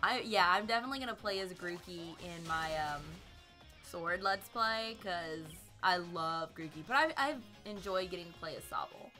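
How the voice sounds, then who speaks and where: A woman in her twenties live-streams a game, chatting and reacting with bubbly energy, laughing often and sometimes singing along. Her low-ish voice is sharp-toned with lively intonation at normal speed, a little tired from nights of streaming, with faint music behind.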